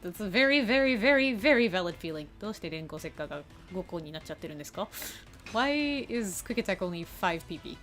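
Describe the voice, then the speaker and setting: Fast-talking bilingual woman gaming. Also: fairly low pitch, lively intonation, a bit bright, soft background music. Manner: switches between Japanese and English, restating each line; chatty, answers chat while playing. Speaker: bilingual game streamer. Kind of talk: casual live gameplay commentary.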